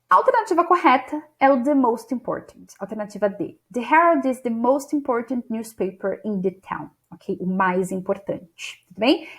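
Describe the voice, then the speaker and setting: A woman from Brazil teaching English grammar in an exam-prep lesson, explaining step by step and reading English sentences aloud slowly. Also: on the high side. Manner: explains step by step, often ends with "né?" and "tá?".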